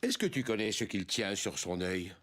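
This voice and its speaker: A kindly old grandfather in a children's cartoon. He teases and explains playfully, with a lively voice that swings up and down. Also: on the low side, normal speed. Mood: explaining.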